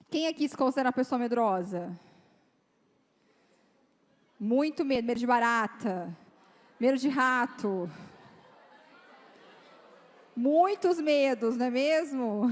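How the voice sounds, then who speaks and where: Chatty woman speaker in a reverberant hall. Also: high-pitched. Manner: lively, chatty, acts out dialogue in quoted voices. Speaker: guest speaker at a youth church meeting. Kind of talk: informal talk to teenagers. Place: church hall. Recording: long reverb of a church hall.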